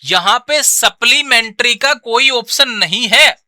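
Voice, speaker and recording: Bright high-voiced man explaining rules. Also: expressive, unhurried, dry recording, clean studio sound. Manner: repetitive, addresses listeners as brother. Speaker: education channel host. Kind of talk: informal explainer to students.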